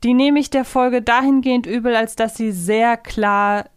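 In a clean, room-free studio recording, a podcast co-host chats casually while reviewing audio dramas, working through her thoughts aloud analytically. She has a fairly high, clean voice with fairly even intonation and a moderate pace.

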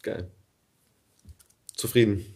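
A man's voice: takes it slowly, darkish tone. A man hosting an interview in casual chat, informal, with short encouraging interjections. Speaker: podcast host, interviewer.

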